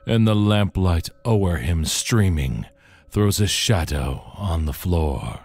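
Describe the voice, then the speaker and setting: A man narrating a gothic poem as a voice actor, theatrical and deliberate in his delivery. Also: deep voice, animated, slightly rough, no room sound. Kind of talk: dramatic gothic poetry recitation. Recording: loud music behind the voice.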